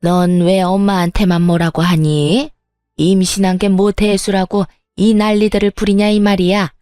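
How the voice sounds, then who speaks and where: A woman's voice: mid-range voice, flat delivery, normal speed, warm tone, no echo, clean studio sound, soft background music, lightly acted. A woman voicing a furious, spiteful older mother-in-law who berates and sneers, in a dramatized story reading. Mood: angry scolding.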